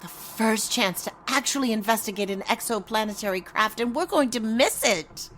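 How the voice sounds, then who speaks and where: An actress playing a serious, proud young female scientist, crisp and guarded, in a radio drama. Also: a little high, animated, normal speed, a bit bright, a little hiss or hum, rough recording.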